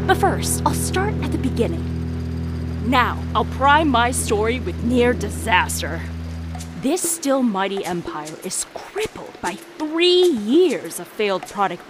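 A sly female jewel seller in an audio drama. She confides in the listener with theatrical, teasing relish, her pitch swinging widely. Loud music plays behind her. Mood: dramatic storytelling. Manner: conspiratorial, teasing, dramatic storytelling.

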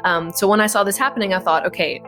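A woman's voice: medium pitch, quick pace, bright, forceful tone, soft background music. A woman from Egypt, a political science professor, answering interview questions in a thoughtful, earnest way with frequent fillers.

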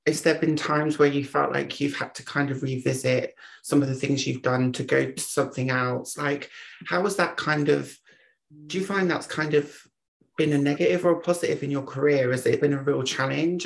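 A man's voice: a little high, vocal fry. A man hosting an interview podcast, asking long, rambling questions in an upbeat way. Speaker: podcast host. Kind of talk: casual interview talk.

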